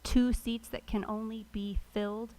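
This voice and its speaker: An American woman giving deliberate remarks as a council member in a public meeting. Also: on the high side, little pitch movement, dark tone. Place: city council chamber.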